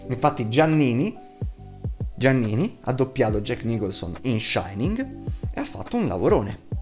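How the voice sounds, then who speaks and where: Blunt young man reviewing, music behind. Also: mid-range voice. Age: 20s. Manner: blunt, foul-mouthed, emphatic. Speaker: video reviewer. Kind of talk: casual opinionated review to camera. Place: small room at home, indoors.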